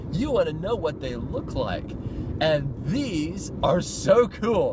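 A man talking at a very slow pace, dry sound without echo, loud noise in the background. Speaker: product reviewer. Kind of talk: casual vlog chat. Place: car. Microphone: phone near.

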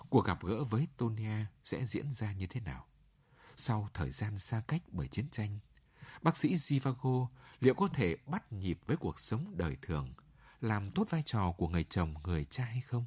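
Recorded very cleanly with a silent background, a man with a fairly low pitch shows vocal fry and very wide pitch swings. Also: fairly slow pace. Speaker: radio announcer, narrator. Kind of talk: scripted radio narration.

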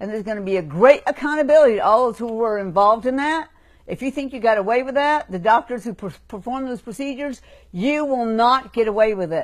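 Her intonation is lively. The woman's voice sits at a fairly high pitch. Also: quiet background. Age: 60s. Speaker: religious political commentator. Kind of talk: sermon-style political address. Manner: passionate, earnest. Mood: fervent, stern. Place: home room. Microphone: phone near.

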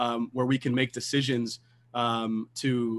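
A man does the talking. The intonation is monotone and flat throughout. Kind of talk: meeting remarks. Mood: earnest, serious. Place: home room. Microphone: video call.

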